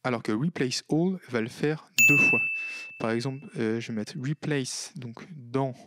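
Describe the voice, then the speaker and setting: A man hosting a casual screen-recorded software tutorial, chatty, with many fillers and self-corrections. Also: mid-range voice, unhurried, heavy background noise. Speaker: tutorial host.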